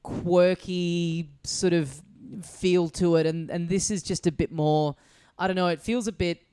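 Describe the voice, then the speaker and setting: In a small studio, an Australian man co-hosts a podcast, chatting casually and rambling with plenty of fillers and restarts. His voice is high-pitched, mellow, and smooth, with a steady tone and a slightly slow pace.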